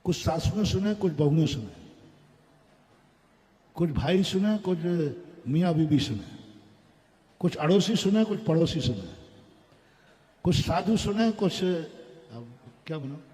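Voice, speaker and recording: A man preaching a sermon, telling a story and addressing the audience directly in an animated way. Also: a little high, unhurried, pauses often, in a large hall. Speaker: Jain preacher.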